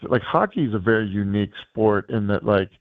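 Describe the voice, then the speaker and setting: A man who has lost much of his voice, talking football in a rambling way with many fillers and restarts, as a radio guest and high school coach. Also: animated, fairly quick, no room sound. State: hoarse, losing his voice. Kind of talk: casual sports radio chat. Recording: tinny phone line.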